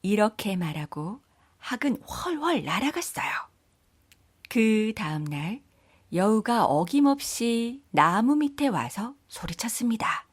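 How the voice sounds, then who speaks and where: A woman's voice: a little high, sing-song, slow, slightly rough, no echo. A woman storyteller narrating scripted children's folktales.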